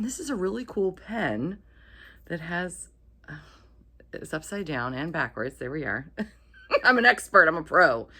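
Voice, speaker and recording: A woman's voice: sits low, sharp tone. A woman hosting a book channel, chatting to camera in an enthusiastic, gushing and playful way. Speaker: host of a romance book channel. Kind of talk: excited casual book vlog to camera.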